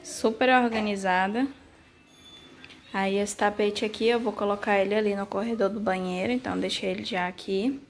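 A young Brazilian woman with a Goiás accent talks casually into a phone held at arm's length. She strolls from room to room while tidying, and her voice has a gravelly fry. Faint noise sits under her voice in the small tiled rooms. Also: medium pitch, fairly even intonation, moderate pace. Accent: Goiás Brazilian Portuguese. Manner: chatty, walking through rooms while tidying. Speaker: vlogger. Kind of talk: casual home vlog, talking to camera. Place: small tiled house, indoors. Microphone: handheld phone at arm's length.

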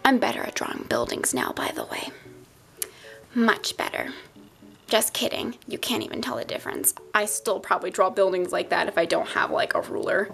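A woman's voice: mid-range voice, moderate pace, vocal fry, a bit bright, in a whisper. A young woman with a stuffy nose chatting casually through a sketchbook tour, rambling and joking at her own expense. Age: young adult. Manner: chatty, self-mocking, rambling asides. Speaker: art YouTuber.

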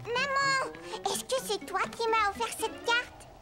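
A woman's voice: very high-pitched, measured pace. A woman voicing a curious, cheerful four-year-old boy in a children's cartoon dub, with an eager, childlike manner. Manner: bright, childlike, eager questions. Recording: music under the voice.

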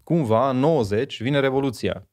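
A man's voice: medium pitch, darkish tone. A man in his forties, a guest in a podcast conversation, recalling things thoughtfully and often tagging sentences with a questioning aside. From Romania, Miercurea Ciuc. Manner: thoughtful, tags sentences with "you know?". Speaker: guest, former speed skater.

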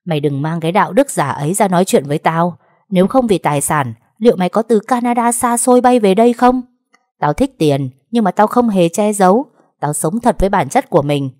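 Woman voicing a shrill spiteful stepmother. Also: lively intonation, brisk, darkish tone, dry recording, studio quality, lightly acted. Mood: furious. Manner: shrill, abusive, scornful. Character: spiteful middle-aged stepmother, sharp-tongued. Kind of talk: audiobook narration.

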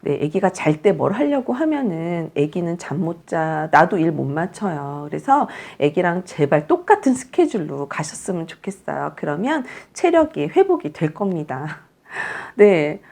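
A woman's voice: lowish voice, very animated, normal speed, creaky, darkish tone. A middle-aged woman counseling new mothers in a chatty, teasing, scolding way. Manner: chatty, scolding-teasing, acts out moms' thoughts. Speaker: breastfeeding counselor. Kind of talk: advice talk to mothers.

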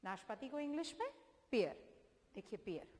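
A woman's voice: on the high side, sing-song, moderate pace, darkish tone, big-room sound. A woman teacher, naming fruits, spelling each one out letter by letter and asking her students questions.

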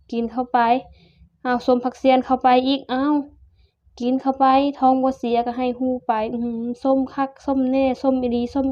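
A woman's voice: fairly high pitch, dark tone, no room sound. Chatty Isan woman vlogging a meal. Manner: chatty, addresses viewers as family, mixes dialect in. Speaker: cooking and eating vlogger. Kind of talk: casual cooking and eating vlog. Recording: dull, dry sound.

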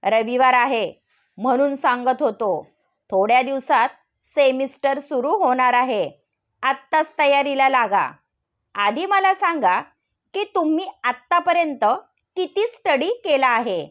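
A woman voicing a deadpan strict professor. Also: sits high, unhurried. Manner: stern and deadpan. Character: strict middle-aged male professor, deadpan.

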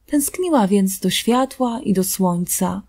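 A woman reading a fairy tale aloud in a calm, gentle narrating voice. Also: medium pitch, slow pace. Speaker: storybook reader.

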